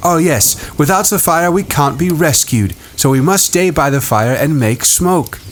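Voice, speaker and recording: An earnest young boy leader, trying hard to sound in charge and faltering as he gropes for the point, put on by a man reading aloud. His voice sits well above the reader's own, with a steady hiss of background noise and birdsong behind it. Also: a little high, a little slow, voice pushed up. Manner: earnest, groping for words.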